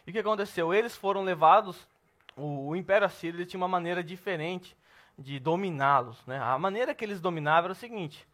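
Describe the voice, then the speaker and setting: A Brazilian man teaching a Bible class at church, lively and asking the class questions. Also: on the high side. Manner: lively, asks the class questions, says "tá bom?" often.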